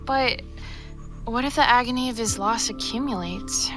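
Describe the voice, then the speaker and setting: Woman as a high-voiced, earnest young gamer. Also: normal speed, over music, close to an everyday voice. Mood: pleading. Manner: earnest, melodramatic. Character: earnest, soft-hearted video game player. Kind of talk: audio drama acting.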